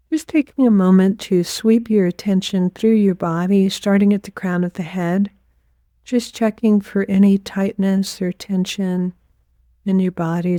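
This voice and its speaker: A woman teacher guides a meditation, giving gentle, unhurried instructions broken by pauses. Her voice is mid-range, and the recording is dry and studio quality.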